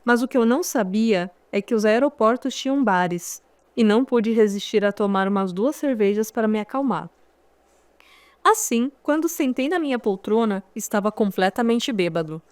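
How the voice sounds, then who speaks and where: A woman with a Brazilian Portuguese accent narrates a first-person memoir audiobook, her voice sitting a little high. She tells the story conversationally and drops in wry asides to the listener. It is close-miked in a studio with a dry, dead sound. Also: expressive, normal speed, a little mellow, no echo.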